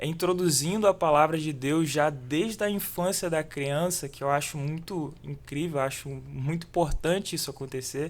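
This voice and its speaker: Using a normal speaking voice, a man with a fairly high pitch talks at a moderate pace with ordinary pitch variation and hardly any pauses. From Brazil, Macaé (Rio de Janeiro state). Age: 20s. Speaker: worship leader. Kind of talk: podcast interview, testimony.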